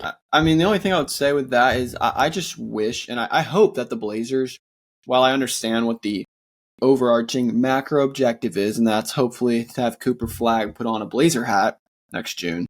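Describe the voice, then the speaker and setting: A man's voice: medium pitch, brisk. A man co-hosting a casual sports podcast, talking earnestly with a sore throat and plenty of fillers. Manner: earnest, rambling with many fillers and restarts. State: sore throat, voice sounds worn. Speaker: podcast co-host.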